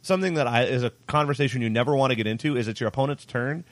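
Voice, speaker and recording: A young man with a mid-range voice talks very fast as he casually commentates his own recorded tabletop battle. Self-mocking, he jokes about his mistakes and laughs often, and the recording has no room sound.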